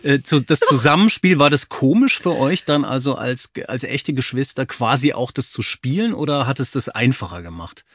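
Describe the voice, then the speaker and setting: A man's voice: medium pitch, expressive, moderate pace, hardly any pauses, no room sound, clean studio sound. A man hosting a podcast in a jokey, casual interview style. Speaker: podcast host.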